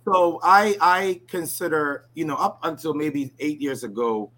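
A man in his forties from Ghana, a guest telling his life story in a relaxed interview, filling his talk with "you know" and "right?". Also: on the high side, unhurried, low-quality recording. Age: 40s.

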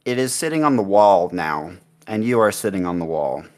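A man's voice: deep voice, big pitch swings, moderate pace. A man narrating as game master in an improvised tabletop game, rambling with many ums and likes over a voice call.

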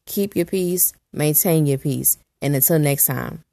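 A woman hosting her own podcast, talking in an earnest, encouraging way with a naturally raspy voice made deeper and rougher by a coming cold. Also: measured pace, warm tone, no echo. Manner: earnest, preachy encouragement with prayers. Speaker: podcast host. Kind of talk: motivational solo podcast talk.

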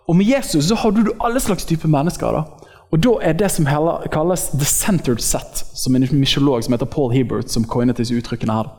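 A man preaching an informal sermon in a church hall, joking and slangy, acting out quotes from other people. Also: a little high. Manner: lively, joking, acts out quotes in slangy speech. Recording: long hall reverb.

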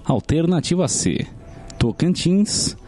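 A man hosting a quiz game, reading out questions slowly and joking with the contestant. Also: a little high, animated, warm tone, faint music behind. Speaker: quiz show host.

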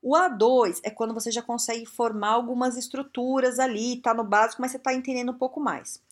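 A woman's voice: fairly high pitch, steady tone, brisk. A woman from Brazil giving frank, blunt career advice straight to the viewer, full of rhetorical questions. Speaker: career and English-learning advice speaker. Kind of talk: casual direct-to-viewer advice talk.

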